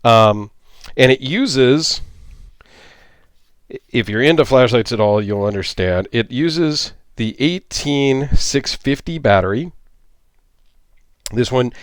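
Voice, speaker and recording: A man's voice: mid-range voice, no echo. Middle-aged man, casual, dry sound. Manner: rambling, many ums and restarts, friendly. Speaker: YouTube reviewer. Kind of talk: casual product review.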